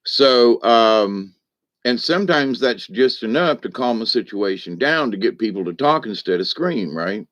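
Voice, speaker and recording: A man's voice: fairly low pitch, animated, a little slow, fairly bright tone. A man hosting a livestream as a shaman, talking in a folksy, meandering way with many asides to his viewers. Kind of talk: rambling spiritual talk to viewers.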